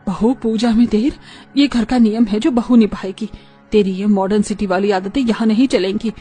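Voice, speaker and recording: A woman's voice: medium pitch, fairly even intonation, normal speed, mellow, slightly rough, soft background music, lightly acted. A woman doing a strict, scolding mother-in-law. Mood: stern scolding. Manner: scolding, stern.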